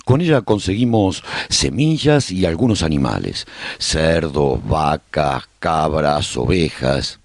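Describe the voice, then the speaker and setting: Deep, husky man acting as a survivor broadcaster. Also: lively intonation, slow pace, no room sound, exaggerated voice. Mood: reflective storytelling. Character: male survivor broadcasting his community's story after humanity's collapse. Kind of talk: radio serial monologue, storytelling to listeners.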